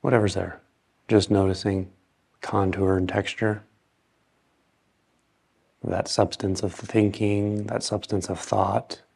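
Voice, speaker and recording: Male meditation guide, low and steady with little pitch movement, calm short phrases and long pauses. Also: gravelly, slightly rough.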